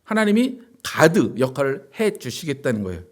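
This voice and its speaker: A man's voice: medium pitch, very animated, a little fast. A male pastor giving a sermon in a conversational way, often asking the congregation rhetorical questions. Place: church sanctuary.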